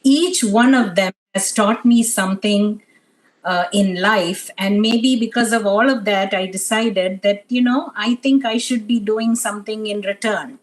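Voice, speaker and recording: A woman's voice: mid-range voice, a little slow, low-quality recording. A woman in her fifties from Tanzania, talking about her life as an interview guest, with many fillers. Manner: soft-spoken, many fillers. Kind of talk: interview chat.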